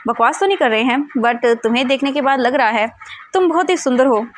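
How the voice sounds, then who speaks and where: Woman doing creepy sleazy guys, slow smug taunting, high-ish voice. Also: slight background noise, lightly acted. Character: sleazy menacing young men, leering thugs.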